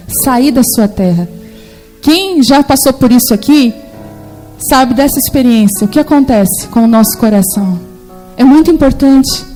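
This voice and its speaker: Woman preacher, Brazilian accent, high pitch, animated storytelling, soft instrumental music behind. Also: low-quality recording. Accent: Brazilian Portuguese. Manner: animated storytelling, acting out quoted voices. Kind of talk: sermon.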